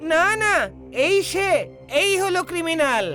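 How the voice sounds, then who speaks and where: A woman's voice: extremely high pitch, measured pace. A woman voicing a bumbling cartoon character who muddles words in a Bengali dub. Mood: insistent. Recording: loud cartoon music behind.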